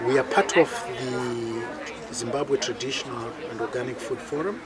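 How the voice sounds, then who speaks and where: A man's voice: mid-range voice, moderate pace. A man gives an outdoor product demonstration, steadily listing nutrients and uses. He is picked up from a distance, and a crowd murmurs all around. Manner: explanatory, lists nutrients. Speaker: exhibitor presenting food products.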